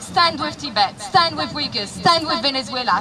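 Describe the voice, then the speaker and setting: A woman's high-pitched, raised and projected voice in a French accent, at a moderate pace, with music in the background. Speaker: activist. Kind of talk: rally speech. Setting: outdoors. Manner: loud.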